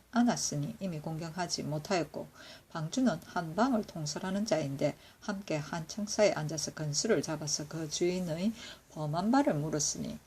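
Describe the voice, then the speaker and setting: Woman, low register, steady archival reading with faint noise behind; measured recitation, catches her own slips. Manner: steady, measured recitation with occasional self-corrections. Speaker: reader of historical records. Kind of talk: reading court annals aloud.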